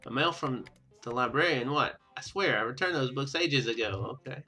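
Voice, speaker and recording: A man doing casual let's play commentary, reading game text aloud and rambling as he thinks out loud. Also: mid-range voice, normal speed, faint music behind. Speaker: gaming video host.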